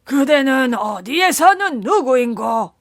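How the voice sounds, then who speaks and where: Stately old storybook king, loud and commanding, put on by a woman narrator. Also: high voice, very animated, slow pace, no echo, studio quality, pitched above the performer's own voice, full character voice. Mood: astonished. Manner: stately archaic royal speech. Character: stern old king of an ancient kingdom.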